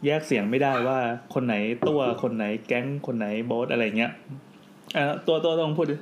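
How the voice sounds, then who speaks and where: Fast-talking joking male podcast host. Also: medium pitch, a little hiss or hum. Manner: quick, jokey, laughs often. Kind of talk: casual chat.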